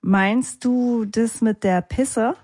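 A woman's voice: on the high side, steady tone, drawn-out words, darkish tone, slightly rough, no echo. A woman who presents on radio and co-hosts a podcast, bantering casually with teasing, blunt, dry retorts.

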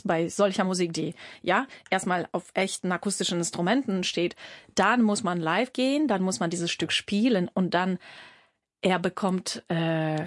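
A woman's voice: medium pitch, no echo, studio quality. A Ukrainian woman with a Ukrainian accent, a musician being interviewed, talking thoughtfully and searching for words with many fillers. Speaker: musician guest. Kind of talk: interview conversation.

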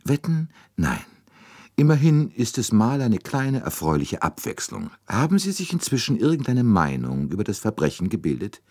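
A man's voice: wildly swooping pitch, normal speed, darkish tone, heavily acted. A man voicing a fussy, shrewd older Belgian detective who speaks precisely and probes politely. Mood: probing, ironic. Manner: precise, politely probing, rising pitch.

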